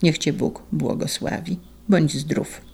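A reader voicing a kindly, solemn hospital doctor who speaks softly. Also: mid-range voice, fairly even intonation, takes it slowly, vocal fry, husky, exaggerated voice. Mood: solemn kindness.

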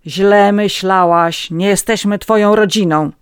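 A reader doing a harsh older master of the house, scornful and curt. The lines come slow and dry, in a close audiobook recording. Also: mid-range voice, steady tone, clean tone, no echo, voice pushed up, lightly acted. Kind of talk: audiobook reading.

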